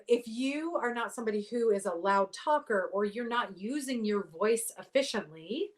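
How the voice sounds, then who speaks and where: A middle-aged woman, a voice pathologist, giving clear explanatory interview answers full of sports analogies. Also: medium pitch. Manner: articulate, explanatory, uses athletic analogies. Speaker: voice pathologist guest.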